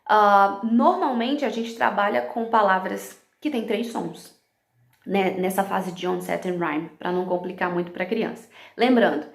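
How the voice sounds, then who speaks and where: A woman's voice: medium pitch, measured pace, gravelly, reverberant. A woman teaching other teachers about phonological awareness. She explains step by step, checking in with "ok?" and using English words along the way.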